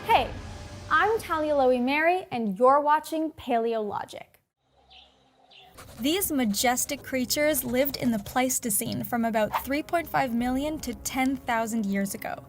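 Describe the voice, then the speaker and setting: High-voiced woman narrating a nature documentary. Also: unhurried, soft background music. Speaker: host and narrator of an animal channel.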